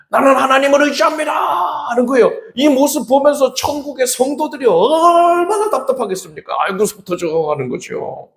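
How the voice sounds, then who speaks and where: A man preaching a Sunday sermon as pastor, dramatic, with sudden shouts and big swings in pitch. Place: church sanctuary. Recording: echoey church hall.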